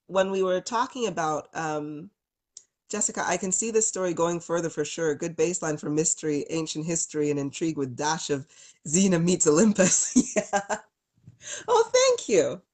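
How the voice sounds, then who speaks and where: A woman with a somewhat low-set voice talks casually to her livestream audience. She is a storyteller hosting the session, informal and effusive. She addresses viewers one by one with affectionate pet names. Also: a little mellow. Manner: gushing, informal, uses endearments like sweetie. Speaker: livestream host, storyteller and psychic healer.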